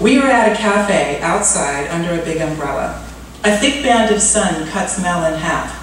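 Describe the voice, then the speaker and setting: Strong room echo and light background noise accompany speech at a fairly slow pace. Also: woman. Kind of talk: dramatic story reading. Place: hall.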